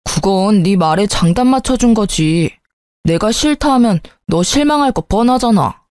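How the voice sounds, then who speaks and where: A woman voicing an irritable, evasive young husband in a lowered, grumbling voice for a narrated story. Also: expressive, moderate pace, a little mellow, no echo, studio quality, lightly acted. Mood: coaxing.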